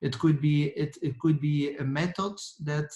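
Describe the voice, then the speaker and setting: A man, an architect answering questions in a lecture Q&A, halting with many restarts and fillers. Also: a little high, steady tone, a little mellow, roomy sound, lo-fi sound, faint music behind. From Belgium. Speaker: architect guest speaker.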